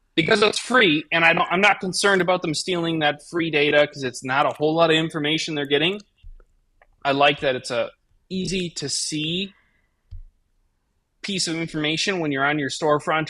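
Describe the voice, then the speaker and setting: With a Minnesota accent, a man speaks at a moderate pace in a fairly high voice with ordinary pitch variation. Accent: Minnesota accent, self-described. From Missouri Ozarks. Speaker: online influencer. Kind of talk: casual chat. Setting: live stream.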